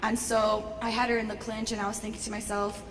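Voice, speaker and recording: Hoarse young woman in a noisy echoing hall. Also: mid-range voice, level tone, a little fast. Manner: casual, upbeat, laughs often. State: losing her voice. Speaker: fighter. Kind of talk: post-fight press interview. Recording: noisy long-reverb hall.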